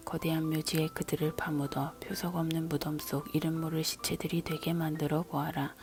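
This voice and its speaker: A woman's voice: deep voice, close to an everyday voice. A woman reading God's words to a man in an unvoiced whisper, as a whispered scripture reading. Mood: challenging. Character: almighty God questioning a man. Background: soft background music.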